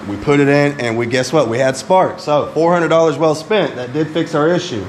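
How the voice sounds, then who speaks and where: American man talking over clear fan noise. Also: on the high side, fairly quick. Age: middle-aged. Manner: folksy, conversational explaining. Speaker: DIY mechanic vlogger. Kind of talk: casual hands-on repair vlog narration. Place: hot space around a truck, fan running. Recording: loud fan noise behind voice.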